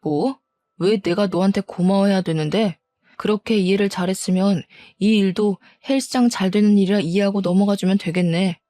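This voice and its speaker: A defensive, scornful cheating husband in a spoken storybook, read out by a woman. He blusters and turns every accusation back on his wife, in a mellow, dark tone. The recording is dry and close. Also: medium pitch, no room sound, natural voice. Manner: blustering, blame-shifting.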